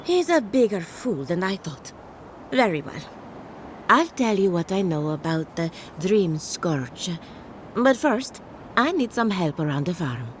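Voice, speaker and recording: An actress playing a chatty, morbidly cheerful necromancer farmer in a fantasy game, wry and theatrical. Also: female voice, on the low side, big pitch swings, measured pace, a little hiss or hum. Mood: wry, businesslike. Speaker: game character. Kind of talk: scripted video game dialogue.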